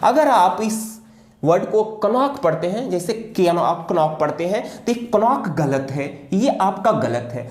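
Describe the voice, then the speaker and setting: A man teaching an English grammar lesson. He drills example words emphatically, jumping high and dropping low, and slowly repeats key words. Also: lively intonation, roomy sound. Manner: emphatic, drills examples with sharp rises and drops. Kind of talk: classroom-style video lesson.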